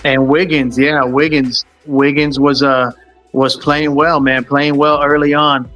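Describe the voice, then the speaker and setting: A man's voice: a little high, level tone, a little slow, a bit bright, soft background music. Rambling, filler-heavy male sports host. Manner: rambling, many fillers and restarts. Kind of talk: casual sports chat.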